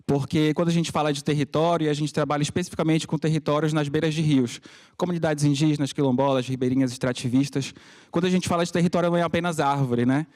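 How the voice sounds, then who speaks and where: Casting: man, 30, Paraense accent, slightly high voice, frank conversational public speaker, unscripted. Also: steady tone, quick pace, darkish tone. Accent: Paraense Brazilian. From Pará, Brazil. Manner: frank, conversational, frequent tag questions. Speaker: content creator and community leader speaking at a conference. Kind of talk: informal unscripted public talk.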